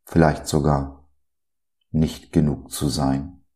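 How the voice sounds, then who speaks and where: A man's voice: a bass voice, little pitch movement, takes it slowly, warm tone. A man hosting a devotional podcast, speaking in an earnest, preacherly way and asking many rhetorical questions. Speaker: podcast host.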